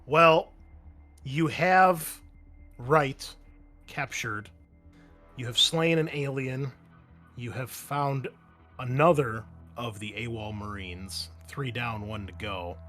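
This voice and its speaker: A man's voice: mid-range voice, takes it slowly, long pauses, sharp tone. A man acting as game master of a tabletop roleplaying game, addressing his players in turn with casual narration. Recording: music behind the voice. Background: music.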